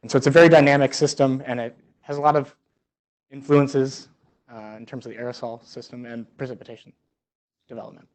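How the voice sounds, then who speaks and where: Male research scientist, mid-pitched voice, conversational seminar delivery, explanatory, thinking aloud. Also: fairly even intonation, fairly quick, a little mellow. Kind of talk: informal academic seminar presentation.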